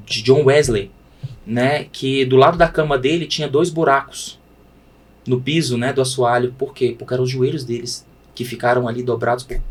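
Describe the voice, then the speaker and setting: A man, a pastor, talking in a podcast conversation with a preaching cadence that swings from loud emphasis to hushed tones. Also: mid-range voice, breathy edge.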